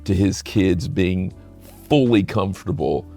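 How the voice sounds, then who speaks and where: Deep gravelly man, dry sound. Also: unhurried, mellow, soft background music. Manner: affirming, frequent "right" and "yeah". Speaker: podcast co-host. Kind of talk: casual family chat.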